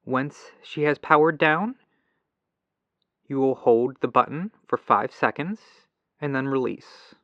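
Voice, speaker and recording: A man's voice: medium pitch, takes it slowly, no echo. A man playing a patient, polite tech support agent in an ASMR roleplay phone call, reassuring and methodical, through a lo-fi telephone filter. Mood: patient, instructive. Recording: dull lo-fi telephone sound.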